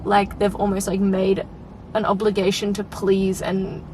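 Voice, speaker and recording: A woman's voice: mid-range voice, completely flat delivery, measured pace, mellow, slight background noise, rough recording. Chatty young woman. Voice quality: slightly raspy at times. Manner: chatty, laughs often, lots of "like". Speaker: channel host. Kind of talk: casual chat.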